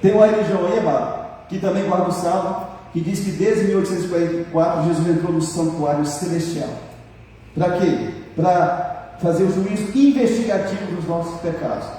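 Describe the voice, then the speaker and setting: A man's voice: high voice, a little fast, mellow. A male pastor preaching a fervent sermon and calling again and again for amens from the congregation. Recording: echoey church hall from far off.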